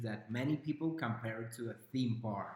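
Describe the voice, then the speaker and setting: In a non-native accent, a man speaks at a medium pitch and a fairly slow pace, his intonation fairly even. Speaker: travel vlogger. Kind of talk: travel vlog narration. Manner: casual, irreverent.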